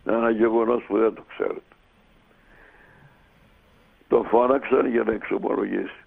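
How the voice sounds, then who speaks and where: Gravelly man telling a story over a phone line. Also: fairly low pitch. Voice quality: gravelly and husky. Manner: lively, animated retelling with many pauses. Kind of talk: anecdotal storytelling on radio. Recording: tinny phone line on radio.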